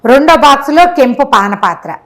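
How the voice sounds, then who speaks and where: High-voiced woman telling a story expressively. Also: moderate pace. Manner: expressive, acts out dialogue, emphatic repetition. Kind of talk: animated oral storytelling of a moral tale, conversational.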